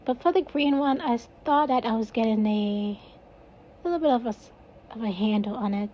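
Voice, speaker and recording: A woman's voice: a little high, normal speed, dull audio, slight background noise. A woman with a Jamaican accent casually narrating her own craft video, rambling and laughing at herself. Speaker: resin crafter, video host.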